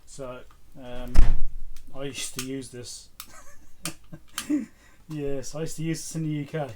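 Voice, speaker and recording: A middle-aged man hosting an electronics repair video takes it slowly, his medium-pitched voice fairly even as he chats and rambles through a casual, unscripted show-and-tell. Clicks and clear background noise are audible.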